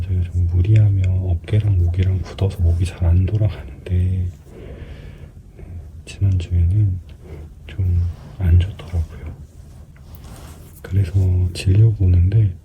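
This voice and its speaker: A man giving a casual explanatory commentary as a skin care practitioner at work, hesitant at times and now and then dropping to a soft murmur. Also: sits low. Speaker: skin clinic practitioner narrating an extraction procedure. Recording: clearly noisy room recording.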